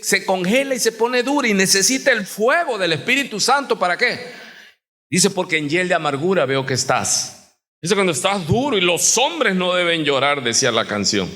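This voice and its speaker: Man, Mexican Spanish accent, pastor, high voice, impassioned sermon, reverberant church hall. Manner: impassioned preaching, swings between quiet and shouting; addresses the congregation as hermano. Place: church sanctuary.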